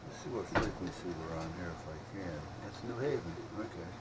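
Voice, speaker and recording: A man chatting casually and rambling as he thinks out loud while doing hobby radio repair. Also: sits low, lively intonation, a little fast. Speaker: hobbyist radio repairer showing his work. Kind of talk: casual unscripted vlog chat while working. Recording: clearly noisy hobby video recording.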